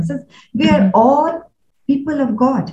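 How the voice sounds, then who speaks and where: A woman's somewhat breathy voice, dark and mellow in tone, with lively intonation at a fairly quick pace. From India. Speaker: Bhagavad Gita teacher. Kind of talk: interview, spiritual teaching. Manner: halting.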